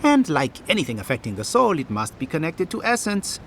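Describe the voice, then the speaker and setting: A fussy, condescending male scholar in a video game. He is pompous and sardonic, his intonation extremely animated, with faint noise behind him. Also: fairly high pitch, brisk. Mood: lofty. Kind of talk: video game character dialogue.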